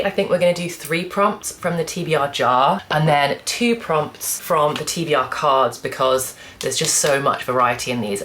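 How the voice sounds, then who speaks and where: A young woman, croaky from a cold, chatting casually about books to camera with lots of restarts. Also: sits low, fairly bright tone, a little hiss or hum. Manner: chatty, rambling, full of "like" and restarts. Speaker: book vlogger.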